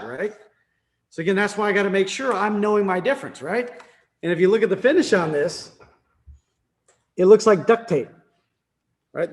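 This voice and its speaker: A man leading a sales training session, quizzing his listeners and tagging points with "right?". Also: high voice. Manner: quizzing the room with frequent "right?".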